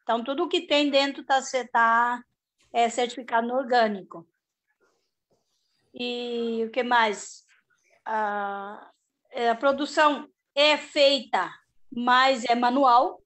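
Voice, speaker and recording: A woman's voice: a little high, fairly even intonation, slow, long pauses, fairly bright tone. A middle-aged woman from Brazil, an organic farmer speaking from home on a video call, chatting in a rambling way with many restarts. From southern Brazil. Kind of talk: casual video-call panel talk.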